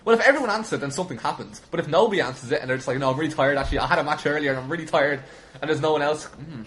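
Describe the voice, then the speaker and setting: Fast, rambling man, high-pitched. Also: fairly bright tone. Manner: jokey, rambling, sweary. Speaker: podcast guest, wrestling show booker. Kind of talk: casual chat. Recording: clearly noisy background.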